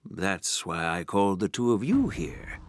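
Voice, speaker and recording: A man's voice: low-pitched, big pitch swings, measured pace, no echo, clean studio sound, full character voice. An actor voicing an elderly, courteous general and grandfather, formal and persuasive, in a video game. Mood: calm.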